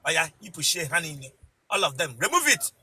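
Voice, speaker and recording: Sharp, high-pitched bossy Nigerian man. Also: fast. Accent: Nigerian Igbo-speaking West African. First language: Igbo. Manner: bossy, scolding, excitable. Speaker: comedy show host, interviewer. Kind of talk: comedic mock interview. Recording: noisy location with ambient sound.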